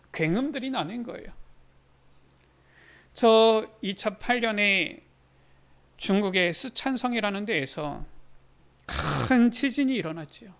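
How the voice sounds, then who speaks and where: Man preaching with loud rhetorical bursts. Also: high voice. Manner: asks rhetorical questions and bursts into loud emphasis. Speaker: pastor. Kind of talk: sermon. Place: church sanctuary.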